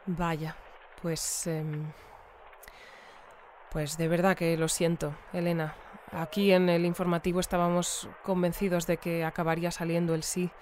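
An actress playing a composed female radio news presenter in an audio drama, speaking in a measured, polite, articulate way. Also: lowish voice, little pitch movement, darkish tone, slight background noise, natural voice. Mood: sympathetic.

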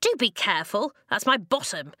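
A woman voicing a pompous, cranky man made of rocks in a children's audiobook, with a high, reedy, creaky voice and a tart, complaining manner. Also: very animated, moderate pace, sharp tone, dry recording, clean studio sound. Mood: fussy, bossy. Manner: tart, snapping, haughty complaining.

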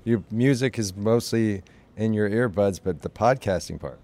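A man hosting a podcast interview, upbeat and joking, jumping in with quick follow-up questions. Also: lowish voice, mellow. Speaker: podcast host. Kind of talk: casual interview.

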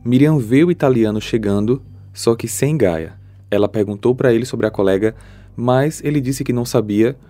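A man with a Brazilian Portuguese accent narrating a true crime case from a script, in a measured, even delivery. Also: medium pitch.

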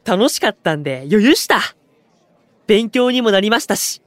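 Energetic slangy young male idol, fairly high voice, dry close mic. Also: normal speed, no room sound. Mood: excited. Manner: excitable, slangy, boyish. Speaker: young station-worker idol in a unit. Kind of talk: anime-style voice drama acting.

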